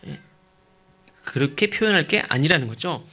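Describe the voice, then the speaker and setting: Bright-voiced pastor preaching a sermon. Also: male voice, mid-range voice, expressive, fairly quick. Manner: emphatic, asks rhetorical questions; checks in with the congregation.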